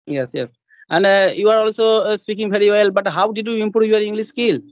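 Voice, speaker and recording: A man interviewing for English practice, asking halting questions and answering with repeated "yes, yes". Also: high-pitched, no room sound.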